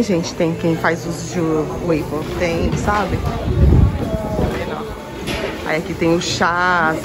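A woman in her thirties from Brazil, chatting casually to her viewers in a shopping vlog, constantly pointing things out to them. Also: on the low side. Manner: chatty, addresses viewers as "gente", lots of "tá vendo, ó?". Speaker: vlogger.

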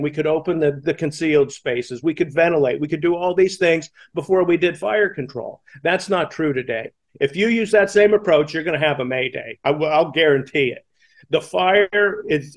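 An American man in his sixties explaining things emphatically in an interview, halting and repeating the starts of words. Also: fairly high pitch. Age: 60s. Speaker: fire command instructor and podcast guest. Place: indoor room, on a video call. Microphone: headset boom mic.

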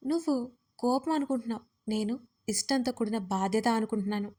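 A woman voicing a devoted young man in an audio story, speaking softly and soothingly. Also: on the high side, brisk, natural voice. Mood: tender. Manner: soft, soothing, tender pleading.

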